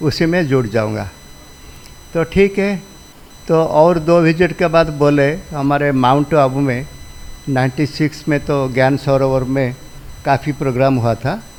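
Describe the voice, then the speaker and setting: Noticeable background noise surrounds a man whose voice is fairly high-pitched. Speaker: doctor. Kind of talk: testimony.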